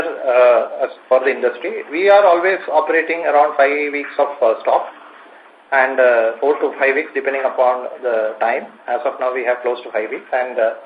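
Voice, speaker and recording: Echoey, higher-pitched Indian man, halting delivery. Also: phone-quality sound, slight background noise. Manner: halting, hesitant phrasing with repeated words. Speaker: company executive on an earnings call. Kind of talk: earnings call remarks and answers to analysts. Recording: roomy, echoing conference call line.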